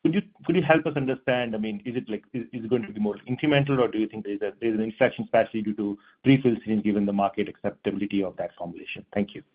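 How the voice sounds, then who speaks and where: A man's voice: lowish voice, racing, few pauses, husky. A man asking a question as a financial analyst on an earnings call, tentatively rephrasing as he goes. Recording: narrow tinny phone line.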